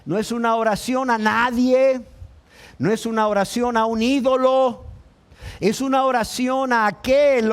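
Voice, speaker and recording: A male pastor preaching a sermon with passion, often acting out the voices of the people in his story. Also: high voice. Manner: impassioned preaching, acting out voices of the crowd and the blind man.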